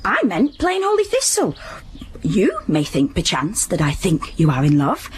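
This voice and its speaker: An actress playing a quick-witted, teasing young waiting-woman with bawdy jokes in a Shakespeare audio play. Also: fairly low pitch, huge pitch swings, slight background noise.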